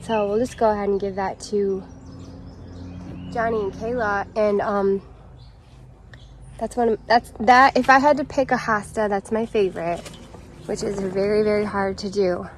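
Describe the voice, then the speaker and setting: Excited chatty woman outdoors in her garden. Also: mid-range voice, moderate pace, long pauses, slight background noise. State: slightly out of breath. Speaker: gardening vlogger. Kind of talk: casual vlog chat.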